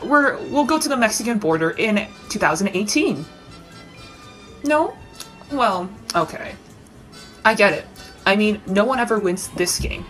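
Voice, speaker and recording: A woman's voice: mid-range voice, fairly bright tone, close to an everyday voice. A woman playing a breezy, sardonic game show host with showy announcer patter and mock sweetness in a satirical theater piece. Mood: sardonic, knowing. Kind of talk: satirical readers theater performance.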